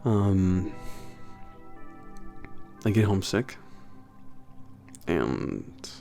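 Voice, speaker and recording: Male actor as big gruff werewolf trainer, fry-laden low voice, casual swearing, awkwardly sincere, ASMR roleplay. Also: a little mellow, full character voice. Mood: hesitant, vulnerable. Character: big burly gruff werewolf spaceport maintenance trainer, soft-hearted. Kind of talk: ASMR roleplay audio drama, spoken to the listener.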